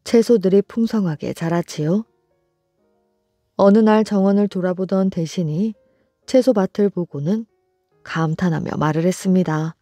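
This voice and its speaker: A storyteller narrating a folktale for a bedtime audiobook, in a slow, soothing, even reading. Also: medium pitch, no room sound, studio quality. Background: soft background music.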